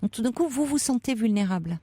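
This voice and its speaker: A woman radio host with a fairly high, warm, mellow voice gives advice to a caller. She sounds calm and gently reassuring, and her studio mic sounds close and dry. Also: fast, slightly rough, no echo. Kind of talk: late-night call-in advice.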